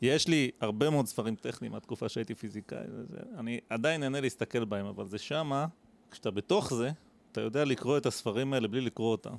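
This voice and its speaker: A man's plain, everyday voice at medium pitch with ordinary pitch variation, at a fairly quick pace, dry and close with no echo, on a very clean recording with a silent background. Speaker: podcast host. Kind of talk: casual chat. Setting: studio.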